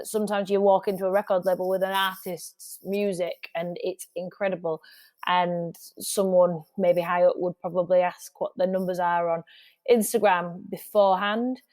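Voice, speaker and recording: A woman's voice: fairly low pitch, a little mellow, dry recording. A middle-aged woman, a music industry guest, chatting casually in an interview with frequent restarts. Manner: chatty, restarts often, laughs easily.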